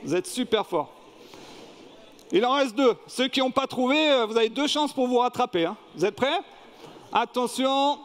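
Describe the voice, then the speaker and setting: A man with a very high voice leads a church service, quizzing the congregation about films in a lively, engaging way. His voice carries a long reverb from the church hall. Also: normal speed. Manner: lively, asks the congregation questions. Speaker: pastor. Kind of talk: sermon with a film quiz.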